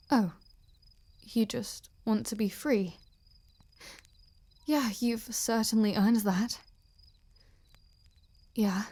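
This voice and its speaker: A woman playing an obsessed, cruel ice queen general in a dramatic audio roleplay, halting and intense, often breathy. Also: a little high, dark tone, heavily acted. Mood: hurt, quiet.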